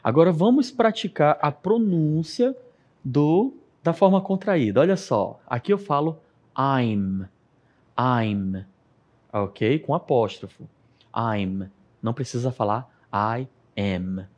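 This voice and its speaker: A Brazilian man teaches a televised class at an unhurried pace. His voice rises and falls a lot as he stresses each point. He explains things patiently, one step at a time. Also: on the high side, animated, darkish tone. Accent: Brazilian Portuguese.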